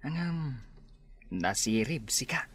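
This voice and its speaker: Husky-voiced joking co-worker, lively up-and-down delivery,. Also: male voice, medium pitch, takes it slowly, exaggerated voice. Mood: teasing. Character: joking male factory co-worker.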